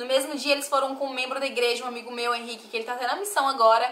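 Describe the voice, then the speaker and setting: A woman at a very fast pace and high pitch, with fairly even intonation and audible room echo. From Bahia, Brazil (Irecê). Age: 20s. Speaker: vlogger. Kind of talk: personal life story.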